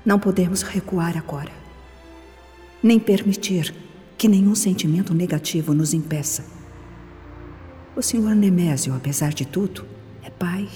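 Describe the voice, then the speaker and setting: Radio drama role: female actor as earnest young wife and mother, mellow, resolute, reverberant, music underneath. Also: fairly low pitch, normal speed, long pauses, natural voice. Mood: earnest resolve. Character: earnest, forgiving young mother and daughter-in-law.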